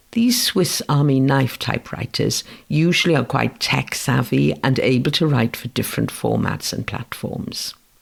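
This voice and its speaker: A man speaks with a Welsh accent. He hardly pauses at all. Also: moderate pace. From Wales. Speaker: writing course instructor. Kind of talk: tutorial.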